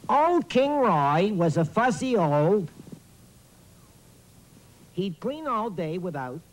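Animated, high-voiced talking boot. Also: male voice, slow pace, exaggerated voice, low-quality recording. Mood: theatrical. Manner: hesitant, hammy, addresses young viewers directly. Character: talking boot puppet, eager fussy children's host. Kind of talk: children's reading lesson, playful recitation.

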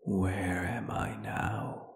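A performer voicing a shy, gentle, lovestruck ghost in an ASMR roleplay, in a breathy, soft, hesitant and tender whisper. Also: sits low, steady tone, drawn-out words, dry recording, studio quality. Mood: flustered, playful. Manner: bashful, tender, hesitant, intimate. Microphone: close microphone, dry.

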